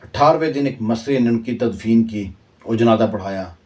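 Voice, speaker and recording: Earnest man, dark voice, set back. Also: mid-range voice, moderate pace, distant mic. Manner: earnest, sprinkles in proverbs and verse. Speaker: online commentator. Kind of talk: impassioned historical storytelling.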